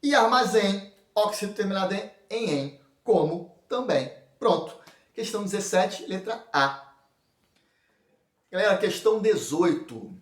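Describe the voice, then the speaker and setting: A man's voice: high-pitched, expressive, measured pace, distant mic. A man with a Brazilian Portuguese accent teaching an exam prep lesson, explaining each point step by step and checking in with his students. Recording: echoey room, voice a bit off mic.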